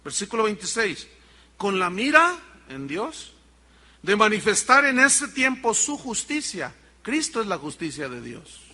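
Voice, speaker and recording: Preacher with a bright, ringing voice. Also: male voice, sits high. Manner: preaching with rhetorical questions to the congregation. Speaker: pastor. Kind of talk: sermon. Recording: long reverb of a large hall.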